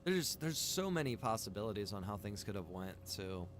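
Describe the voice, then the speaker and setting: Casual game-stream chatter comes from a man whose voice is on the low side; he is very animated, keeps a moderate pace, and rambles while thinking aloud. The recording has clearly audible background noise.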